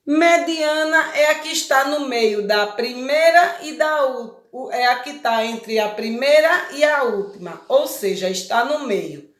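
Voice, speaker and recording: A woman's voice: sits high, lively intonation, measured pace. A Brazilian woman teaching a recorded lesson to young children. She explains step by step and keeps checking that they follow. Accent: Brazilian Portuguese. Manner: patient, explains step by step with many check questions. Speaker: primary school teacher. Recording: echoey room.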